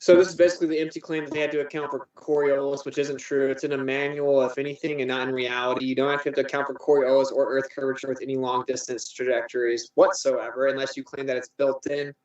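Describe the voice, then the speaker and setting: Fast, combative man on a distant mic. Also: mid-range voice, flat delivery, a little mellow. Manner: combative, dismissive, rapid-fire. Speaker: flat-Earth debater. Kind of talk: debate argument. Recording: roomy, distant, dull audio.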